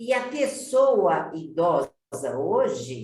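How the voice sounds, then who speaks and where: A woman speaks at a high pitch. Her voice makes very wide pitch swings. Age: 70s. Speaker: panelist. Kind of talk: panel discussion.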